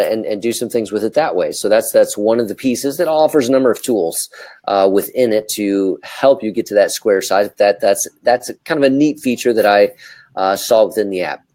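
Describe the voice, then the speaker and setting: A man with a fairly low voice co-hosts a casual show. He explains things for the audience a little haltingly, restarting phrases as he goes. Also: a little mellow. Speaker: talk show co-host.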